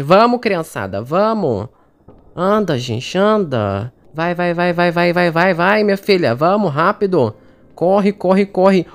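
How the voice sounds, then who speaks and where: A woman with a Brazilian Portuguese accent narrates her own horror gameplay in a fairly low voice. She is chatty and jumpy, talking straight to her viewers and to the characters on screen. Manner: chatty and jumpy, talks to the audience and game characters. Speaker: gaming streamer. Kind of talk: casual gameplay commentary.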